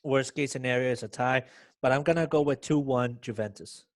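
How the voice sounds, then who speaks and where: A man's voice: mid-range voice, a little fast, dry recording, clean studio sound. A man co-hosting a podcast, giving confident, opinionated football predictions. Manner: assertive, opinionated. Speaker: podcast co-host. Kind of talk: casual sports chat.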